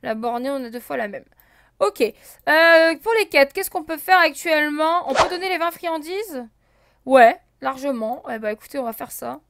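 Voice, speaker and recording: Animated and high-pitched at a normal pace, this woman comments on her game as a let's play host. She thinks out loud with many fillers, addresses her viewers, and tallies and checks items aloud.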